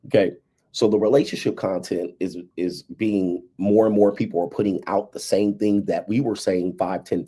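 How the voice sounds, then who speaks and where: A man's voice: fairly low pitch, dark tone, slightly rough. A man in his fifties giving casual, emphatic commentary on dating and relationships, often tagging his points with "right?" and "okay". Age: 50s.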